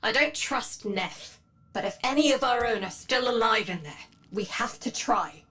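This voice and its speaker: A woman's voice: on the high side, animated, normal speed, pushed and bright. A woman playing a determined squad leader in a video game, giving briefings in a direct, commanding way. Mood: grim resolve.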